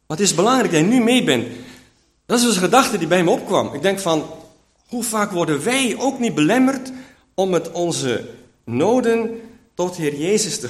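Brief: male preacher, fairly high voice, relaxed Bible teaching, keeps asking if listeners follow. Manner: chatty, keeps checking in with listeners.

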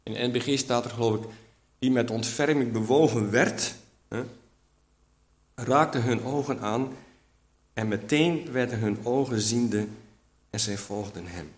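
A man's voice: medium pitch, a little slow, long pauses. A man teaching from the Bible in a conversational way, often checking in with his listeners. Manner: chatty, keeps checking in with listeners. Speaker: preacher.

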